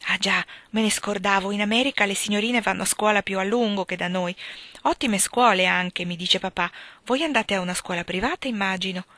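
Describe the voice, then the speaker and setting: Brief: storybook reading of a condescending young English lady, voiced by a woman, bright and dry. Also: mid-range voice, a little fast, no echo, natural voice. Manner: patronizing, polite and superior.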